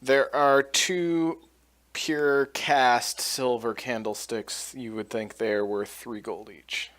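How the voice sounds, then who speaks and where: A man running a tabletop game as dungeon master, narrating scenes in a slow, measured way. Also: mid-range voice, steady tone, a bit bright.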